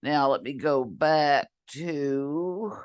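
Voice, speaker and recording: Brief: hoarse woman, voice half gone, slow unhurried screen-share tutorial, throat clearing, computer mic. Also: low voice. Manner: slow, halting, clears throat often, apologetic. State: losing her voice, hoarse and whispery. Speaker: college librarian or instructor.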